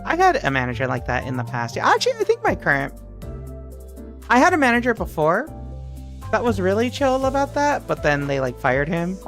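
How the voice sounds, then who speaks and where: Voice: medium pitch, wildly swooping pitch, brisk, a bit bright. A streamer casually chatting and joking with a co-host and the chat while playing a game, with faint game music behind.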